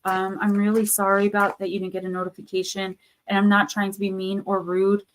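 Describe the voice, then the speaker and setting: A woman's voice: mid-range voice, monotone, brisk, a little hiss or hum. A woman hosting a live card reading stream, losing her voice with a sore throat, chatting loosely with many fillers and restarts. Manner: reads card texts aloud, then riffs loosely with fillers and restarts. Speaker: tarot and oracle card reader, channel host.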